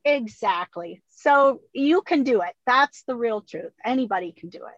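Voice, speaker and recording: A high-voiced woman in her sixties who chats away and laughs often. She speaks from inside her car, with a dry, dull, lo-fi sound. Her voice sits well above most women's. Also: lively intonation, normal speed, dry recording. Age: 60s. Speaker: guest. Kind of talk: casual video-call chat.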